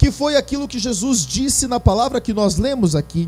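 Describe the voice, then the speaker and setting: A man's extremely high-pitched voice moves at a moderate pace. Music plays in the background. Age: 40s. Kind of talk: sermon. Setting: livestream with chat.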